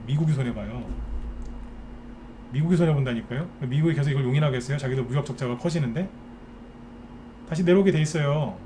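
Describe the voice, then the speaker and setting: A man's voice: a little high, darkish tone, slight background noise. A man giving a live stock market lecture, ranting bluntly and firing rhetorical questions at his viewers.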